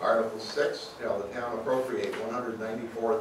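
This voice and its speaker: Audible room echo and noticeable background noise surround a man who speaks fairly quickly. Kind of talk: formal reading of meeting articles. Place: meeting room.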